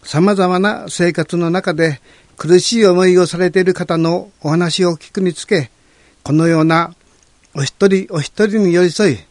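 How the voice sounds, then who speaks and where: A man serving on a city council, giving a formal, polite prepared statement in a measured, earnest way. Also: high-pitched, dry recording.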